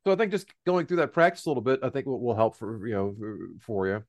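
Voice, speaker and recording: A man's voice: medium pitch, big pitch swings, fast talker, no room sound, clean studio sound. A man co-hosting a business talk show, rambling through stories and advice in a casual, conversational way. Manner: rambling, storytelling, often repeats a cohost's name. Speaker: business podcast co-host.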